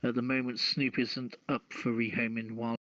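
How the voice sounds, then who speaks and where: A man hosting a casual live radio show with a halting delivery. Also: medium pitch, level tone, background noise. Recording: dull, echoey online radio channel audio.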